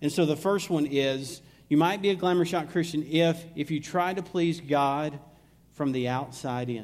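A man with a Southern US accent speaks in a very clean recording with a silent background. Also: fairly high pitch for a man, ordinary pitch variation. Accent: Southern drawl. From Alabama. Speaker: guest preacher. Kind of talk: sermon. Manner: halting.

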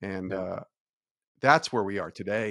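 A man speaks in an unremarkable speaking voice, fairly low in pitch. The sound is dry and close, with no echo. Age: 40s. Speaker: sports media director and podcast host. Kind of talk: interview.

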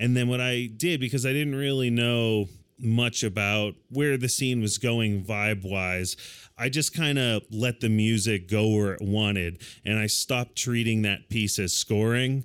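An unremarkable speaking voice from a man at a medium pitch, fairly slow and with ordinary pitch variation, in a very clean recording with a silent background. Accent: American. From Massachusetts, outside Boston. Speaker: film and theater composer. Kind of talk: casual interview.

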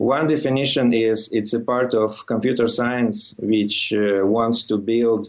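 With a Russian accent, a man speaks at a very slow pace and with fairly even intonation. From Ukraine (Crimea), Russian family. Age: 30s. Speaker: data scientist and author. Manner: halting, with many fillers and repetitions.

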